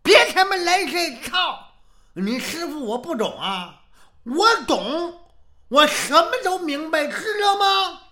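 Man putting on a shrill, nagging, cowardly old master. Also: very animated, moderate pace, creaky, pushed and bright, exaggerated voice. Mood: aggrieved ranting. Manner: shrill, blustering, repetitive complaining.

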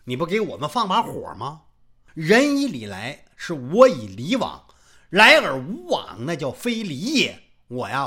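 Vengeful woman warrior, bitter and indignant, low muttering, as a storyteller puts her on. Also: husky, full character voice. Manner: bitter, indignant, lower and quieter. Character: fierce widow-camp woman, vengeful and sharp-tongued. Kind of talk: traditional storytelling.

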